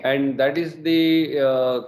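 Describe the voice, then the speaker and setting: A middle-aged man with an Indian English accent presents quarterly results on an earnings call, measured and full of hesitations. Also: mid-range voice, steady tone, a little mellow. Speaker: company executive presenting results. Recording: echoey room with faint ambience.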